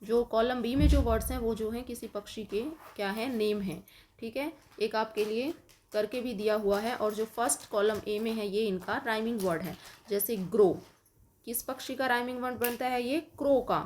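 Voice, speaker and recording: A woman's voice: on the high side, normal speed, a little mellow, a little hiss or hum. A woman teacher with an Indian English accent giving an online lesson to young children, dictating word by word and explaining patiently.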